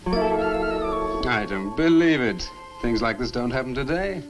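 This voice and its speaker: A man's voice: medium pitch, wildly swooping pitch, takes it slowly, exaggerated voice. An actor playing a concerned, sceptical young man in an old horror film. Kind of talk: 1960 horror film acting. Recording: old film soundtrack with loud music.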